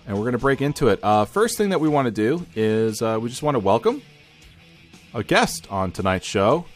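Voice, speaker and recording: A man hosting a casual podcast, energetic and talkative, often repeating himself with fillers. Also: mid-range voice. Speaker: podcast host. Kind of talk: casual chat.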